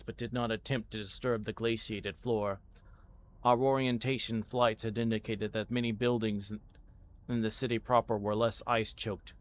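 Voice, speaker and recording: A man reading a story aloud live in audiobook style, halting now and then and stumbling over words. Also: on the low side.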